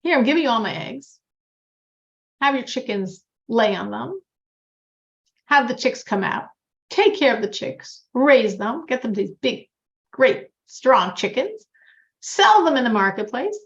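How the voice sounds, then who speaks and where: A woman's voice: on the high side, very animated, unhurried, pauses often. A woman voicing a generous egg owner who offers a partnership, speaking in a reassuring, businesslike way. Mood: persuasive. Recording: dull lo-fi recording.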